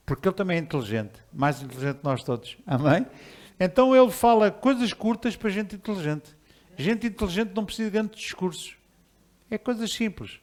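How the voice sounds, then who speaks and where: Animated pastor preaching casually. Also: male voice, on the high side. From Portugal. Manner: conversational, animated, with chuckles and repeated restarts. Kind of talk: sermon.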